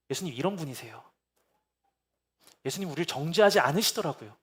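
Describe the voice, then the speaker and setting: A man with a high voice preaches in a church. He speaks earnestly, at times soft and consoling, at times fervent and pleading. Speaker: pastor. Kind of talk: sermon. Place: church sanctuary.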